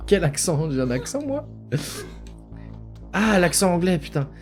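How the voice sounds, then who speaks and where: A man's voice: high-pitched, very animated, slow pace. Man, game streamer, chatty live commentary, swears freely, game music behind. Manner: chatty, swears freely, reacts aloud to play.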